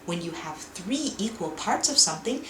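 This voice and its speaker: A woman voicing a bright, earnest little girl in a children's story, explaining with careful emphasis. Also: lowish voice, sing-song, normal speed. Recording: roomy echo, faint noise.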